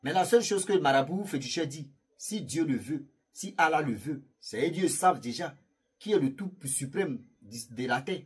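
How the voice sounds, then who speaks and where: A man's voice: a little high, expressive, moderate pace, breathy edge. A man casually telling a story to his viewers, chatty and rambling, laughing at his own jokes and speaking to the audience directly. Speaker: YouTube storyteller.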